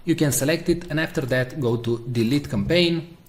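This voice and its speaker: A man narrating a step-by-step software tutorial as a voice-over on a screen recording. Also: on the high side, moderate pace.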